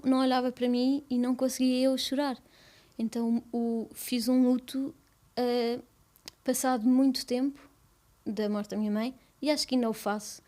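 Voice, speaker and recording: A young woman with a European Portuguese accent, speaking softly and haltingly in a personal interview, with many restarts. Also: a little high. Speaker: guest.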